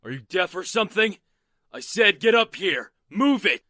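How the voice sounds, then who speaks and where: A man playing a gruff, suspicious rural rifleman in an audio drama, folksy and threatening, easily rattled. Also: high voice, sing-song, normal speed, sharp tone, no room sound, clean studio sound, full character voice. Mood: impatient, threatening. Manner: folksy, threatening, barking orders.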